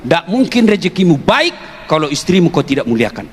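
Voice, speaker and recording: A man preaching a humorous sermon to an audience, joking and teasing, with bursts of shouting. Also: on the high side, very animated, a little fast, slightly rough. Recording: reverberant hall with faint noise.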